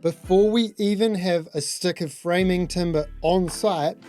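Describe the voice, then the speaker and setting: A man with a New Zealand accent talks through his building project in a relaxed, jokey way. His voice sits fairly high for a man, with a music bed running clearly underneath. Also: measured pace. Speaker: builder and vlog host. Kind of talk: casual vlog chat.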